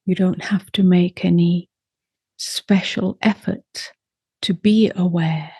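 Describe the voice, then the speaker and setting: A woman leading a guided meditation as a teacher, speaking softly in short unhurried phrases with long pauses, her voice gentle and breathy. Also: on the low side, fairly even intonation, no echo, clean studio sound.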